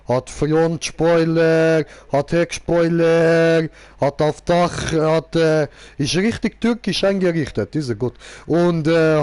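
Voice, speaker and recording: A man's voice: a little high, a little mellow, no echo. A young man playing a boastful, car-loving character who speaks in broken grammar and keeps repeating the same filler word, commenting on a game.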